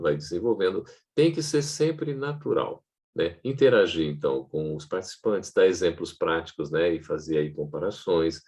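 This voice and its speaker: A man giving an online training lecture on public speaking to camera, in a lively teaching tone with frequent checking asides. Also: sits low, breathy edge.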